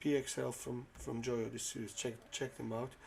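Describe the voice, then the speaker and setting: A man with a Polish accent, medium-pitched and monotone, at a moderate pace. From Poland. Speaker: guitar gear reviewer. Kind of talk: product review. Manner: halting, many repetitions.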